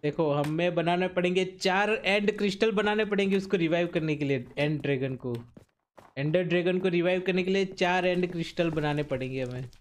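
A man's voice: sits high, a little fast. A man hosting a gaming channel, chatting casually while playing with friends, playful and teasing, laughing often. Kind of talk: casual gameplay chat with a friend.

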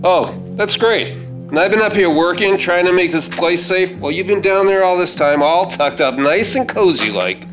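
A man's voice: high voice, animated, moderate pace. A middle-aged man playing a tough, sarcastic, take-charge survivor with a blunt, folksy manner in a radio play. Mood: sarcastic, stubborn. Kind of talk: stage radio-play acting. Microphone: stand microphone on a stage. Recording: loud music under stage performance.

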